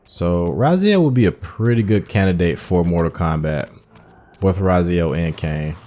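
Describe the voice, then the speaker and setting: A man's voice: low-pitched, expressive, normal speed, mellow, slight background noise. A man giving casual, informal playthrough commentary as a gaming video host, thinking aloud as he goes.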